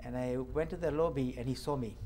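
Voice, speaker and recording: A middle-aged man from Tanzania, an author guest in an interview, tells a personal story in an earnest, reflective way with halting restarts. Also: mid-range voice, fairly even intonation, dark tone, slight background noise.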